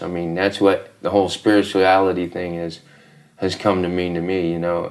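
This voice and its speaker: At a moderate pace, a man talks in a very deep, low pitch with flat, monotone intonation. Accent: Appalachian. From US South, East Tennessee near Knoxville. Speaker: war veteran. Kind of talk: podcast interview, personal testimony. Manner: halting, many fillers and restarts.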